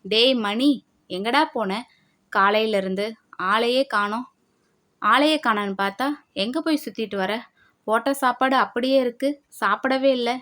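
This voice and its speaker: A woman's voice: fairly high pitch, a little slow, pauses often, a bit bright. Woman voicing a fussing old village grandmother. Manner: scolding, chatty, motherly. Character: lonely elderly village grandmother, fussing and kind.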